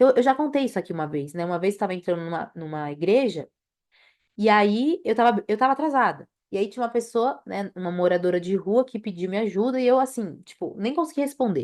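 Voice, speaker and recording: Very fast speech with very wide pitch swings against a quiet background. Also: woman, medium pitch for a woman. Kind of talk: lecture. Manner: casual.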